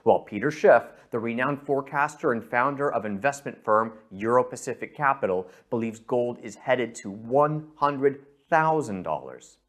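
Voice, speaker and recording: Middle-aged American man, mid-pitched, persuasive scripted pitch straight to the listener. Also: lively intonation, normal speed, few pauses. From San Francisco, USA. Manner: persuasive, addresses the listener directly. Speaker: investment director presenting. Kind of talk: scripted investment sales presentation.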